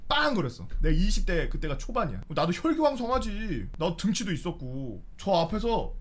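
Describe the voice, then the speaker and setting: Animated, cursing storytelling man. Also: high-pitched, normal speed. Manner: animated, swearing, acts out scenes with sound effects. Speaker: streamer telling stories. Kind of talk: casual storytelling and reading viewer stories.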